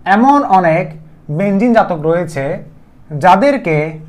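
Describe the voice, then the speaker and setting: This male chemistry teacher has a high, expressive voice with a darkish tone and speaks slowly. In his video lecture, delivered with a Bangladeshi Bengali accent, he repeats key terms and puts questions to the viewer.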